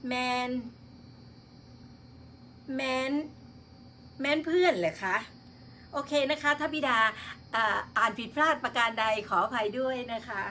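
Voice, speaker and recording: A woman's voice: high voice, pushed and bright, slight background noise. A woman hosting a live stream in casual chat, politely reading out and greeting her viewers one by one.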